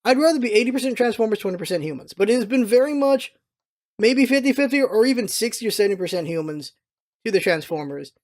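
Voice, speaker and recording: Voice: mid-range voice, animated, fast, darkish tone. A vlog host talking casually and off the cuff, with an informal, opinionated and emphatic manner. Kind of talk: casual rambling solo vlog commentary.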